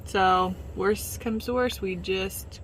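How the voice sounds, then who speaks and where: Relaxed, laughing woman, noisy background. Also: mid-range voice, slow pace. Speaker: expectant parent. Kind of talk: casual chat. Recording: noisy home video.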